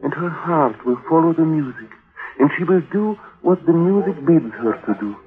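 An actor playing a superstitious, courtly gypsy violinist in a 1940s radio drama, formal and portentous in halting phrases, on a muffled recording. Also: male voice, a little high, expressive, crowd noise, close to an everyday voice. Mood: foreboding.

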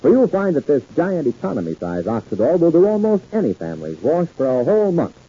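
A man's voice: a little high, huge pitch swings, fairly quick, warm tone, breathy edge. A man working as an old radio announcer, reading scripted copy in a polished, emphatic sales manner. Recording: dull 1950s radio recording.

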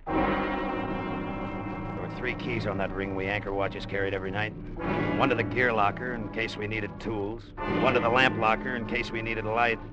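Brief: a man playing a low-voiced scheming sailor, tough narration, muffled old radio broadcast with music. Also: fairly even intonation, moderate pace, natural voice. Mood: brooding. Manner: tough first-person narration. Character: scheming male sailor-diver plotting to take the treasure. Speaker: narrator and lead character. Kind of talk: 1940s radio acting.

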